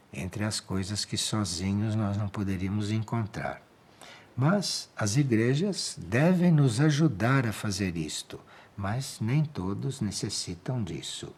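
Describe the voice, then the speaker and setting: A man speaks with a Brazilian Portuguese accent in a very slow, unhurried spiritual talk. His voice is fairly low and husky. He answers questions calmly and repeats key phrases for emphasis. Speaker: spiritual teacher giving a monthly talk.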